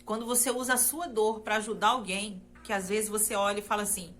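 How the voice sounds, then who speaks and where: A woman's voice: medium pitch, fairly even intonation, brisk, a bit bright, a little hiss or hum. A woman from Brazil sharing a personal faith testimony in an earnest, repetitive way, often turning to her listeners directly. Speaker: testimony speaker.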